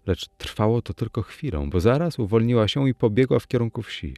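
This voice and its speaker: A man narrating a storybook audiobook in a calm, even storytelling manner. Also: medium pitch, a little fast, no room sound, studio quality, faint music behind.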